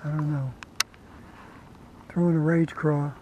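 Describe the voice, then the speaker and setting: A man casually narrating his fishing trip from a kayak, talking to the camera in a relaxed, chatty way. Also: fairly high pitch, slow pace, noisy background. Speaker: fishing vlogger. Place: kayak on a lake outdoors. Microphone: head-mounted action camera.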